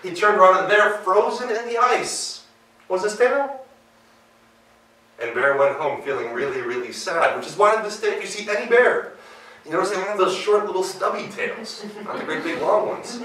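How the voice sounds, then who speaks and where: An American storyteller tells a folktale live in an event room with an audience, playfully putting questions to his listeners. His voice is high-pitched and sharp at a normal speed, picked up by a distant mic in a roomy hall with slight background noise.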